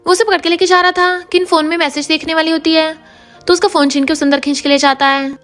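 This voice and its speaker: A woman narrating a scripted drama recap briskly. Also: very high voice, level tone, fairly bright tone, faint music behind. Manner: brisk storytelling.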